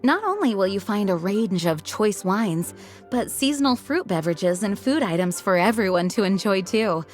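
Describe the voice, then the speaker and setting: A woman voicing a composed adult woman officer who explains traditions in a formal, measured way, in a video game. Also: medium pitch, big pitch swings, lightly acted. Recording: game audio with faint music.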